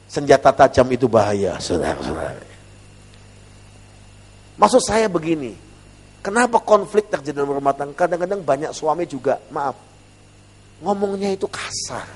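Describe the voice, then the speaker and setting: A male pastor preaching with a fairly high voice that swings widely in pitch. He is humorous and keeps calling out to his congregation. His voice carries a long reverb through the church. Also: darkish tone, slightly rough. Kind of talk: sermon.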